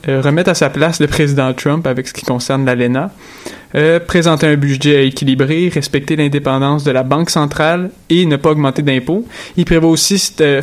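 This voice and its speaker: A young man talks through a radio news recap, stumbling over restarts and fillers as he goes. His voice sits a bit high for a man. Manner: halting, many fillers and restarts. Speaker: news segment presenter.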